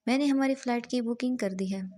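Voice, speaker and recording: A woman reading as a calm, take-charge young man. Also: fairly high pitch, fast, lightly acted. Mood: reassuring.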